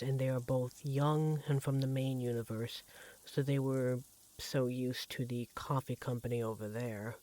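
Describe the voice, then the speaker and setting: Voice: medium pitch, darkish tone, lightly acted. A performer playing an affectionate, teasing vampire barista in a conversational audio roleplay about domestic life. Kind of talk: ASMR audio roleplay, one-sided domestic dialogue. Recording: clear background noise, sizzling frying pan.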